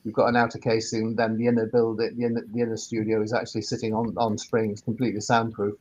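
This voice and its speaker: A man's voice: on the low side, monotone, fast talker, darkish tone, poor audio. A man giving informal expert explanations on a webinar panel, hesitant and often repeating his words. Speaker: sound engineer and workspace operator, panelist.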